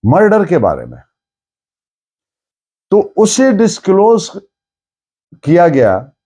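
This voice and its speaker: A man's voice: on the high side, dark tone. A man with a Pakistani accent lecturing on law, didactic and emphatic, repeating key phrases and mixing in English legal terms. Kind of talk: lecture, explaining and dictating case citations.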